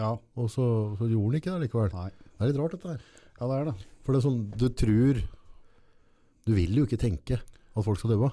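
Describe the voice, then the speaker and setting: A man with a dark, mellow, somewhat breathy tone talks at a fairly quick pace with lively intonation. He leaves long, frequent pauses. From Eastern Norway, Brumunddal; Eastern Norway. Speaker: podcast host. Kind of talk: casual chat. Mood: joking, animated. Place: studio. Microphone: studio mic.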